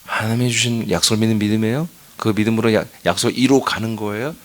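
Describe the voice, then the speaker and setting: A man's voice: fairly low pitch, fairly even intonation, racing. A male pastor preaching at a dawn church service, telling a story in a chatty way and scolding with humor. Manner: asks the congregation for answers. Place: church sanctuary.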